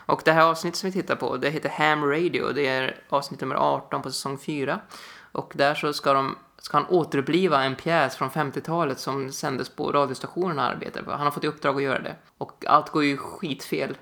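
A man's voice: a little high, steady tone, creaky, bright, forceful tone. A young man co-hosting a podcast from his living room, talking casually with frequent fillers and restarts. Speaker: podcast co-host. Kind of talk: casual chat.

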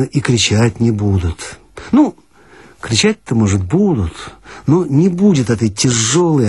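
A man's voice: medium pitch, slightly rough, no room sound, clean studio sound. A man reading a humorous story aloud as the narrator, with an ironic, storytelling manner. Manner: ironic storyteller, lively rises and drops. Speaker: reader.

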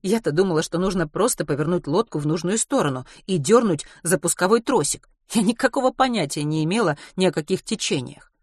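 A narrator reading a young woman's lines in a soft, confiding way in an audiobook. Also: lowish voice, lively intonation, fairly quick, hardly any pauses, husky, no room sound, studio quality. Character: young woman recalling a harsh island winter.

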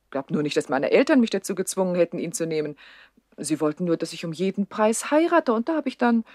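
An actress playing a haughty, coquettish young widowed princess in a 1960s German radio play, imperious and teasing in a theatrical way. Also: female voice, lowish voice, a little mellow, dry recording, studio quality.

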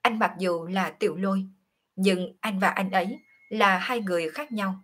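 A woman voicing a calm young woman who confides in her lover, in an audiobook reading. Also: mid-range voice, moderate pace, lightly acted. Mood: confiding.

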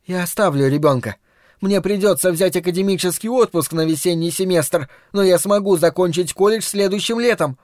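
A soft-spoken young woman, as a male narrator voices her, a college student holding her ground quietly. Her lines come gently and steadily, close and dry. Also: high-pitched, brisk, dry recording, pitched above the performer's own voice, close to an everyday voice. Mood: quietly firm.

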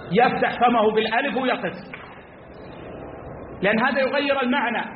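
High-voiced man teaching in an echoey hall. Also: brisk, slight background noise. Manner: repeats key phrases for emphasis; addresses listeners as brothers. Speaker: Islamic scholar teaching a class. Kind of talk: explanatory religious lesson. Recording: echoey hall over tinny lo-fi line.

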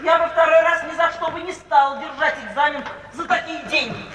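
An actress playing a frank, practical, self-possessed young woman graduate in a 1950s radio play, speaking briskly and bluntly. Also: high-pitched, a bit bright, far from the mic. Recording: echoey hall, old 1950s radio recording, hissy.

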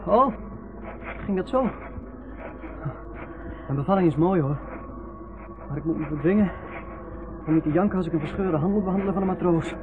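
An actor playing a chatty, reassuring young ship's doctor in a Dutch radio play. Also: male voice, high voice, moderate pace, pauses often. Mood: talkative, reassuring. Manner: chatty, reassuring, repeats himself. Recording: noisy narrowband old radio recording.

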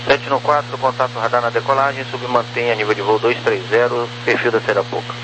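A man's voice: medium pitch, flat delivery, brisk. Crackly military-radio Brazilian man, air traffic control. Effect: crackly military-style radio. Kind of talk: clipped aviation radio phraseology. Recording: noisy radio with mains hum.

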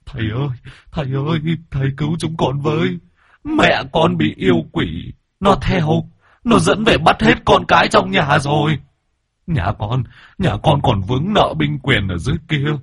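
A man's voice: a little high, lively intonation, normal speed, husky, no echo, clean studio sound, voice pushed up, exaggerated voice. A man voicing a frightened male ghost who pleads with the exorcist through a possessed woman. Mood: desperate pleading.

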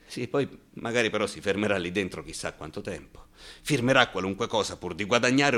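An actor playing an anxious, bitter gay man recalling his frightened youth in a halting, confiding theatrical radio monologue. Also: sits low, pushed and bright. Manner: confiding, halting and repetitive, breaking into bitter outbursts.

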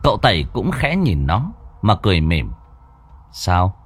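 A man tells a ghost story in a dramatic, expressive way. His low, husky voice rises and falls widely. Faint music plays behind him. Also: normal speed.

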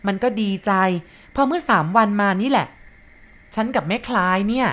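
A woman voicing a distraught middle-aged woman who pleads tearfully and nearly shouts, in a read-aloud story. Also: fairly high pitch, lively intonation, normal speed, voice pushed up. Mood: pleading.

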